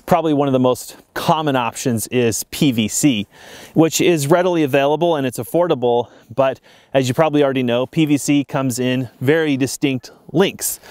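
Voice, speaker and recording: A man's voice: on the high side, a little mellow. A man in his thirties walks through his homestead's water system in a casual, step-by-step way, recorded outdoors in the snow by a camera a few feet away. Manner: practical, plainspoken, explains step by step. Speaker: homesteading vlogger. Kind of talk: casual explainer vlog.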